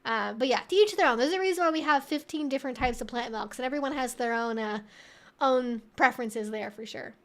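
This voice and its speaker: Her voice is high-pitched and runs a little fast. She hosts a relaxed live Q&A stream, reading viewer messages aloud and chatting in a meandering way as she works out her answers.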